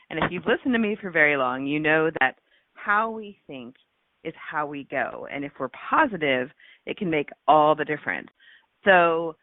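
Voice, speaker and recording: On a tinny phone line with no echo, a radio host with a lowish voice made slightly scratchy by a cold enthusiastically introduces her guest. Her scripted intro and chat are full of ums and uhs.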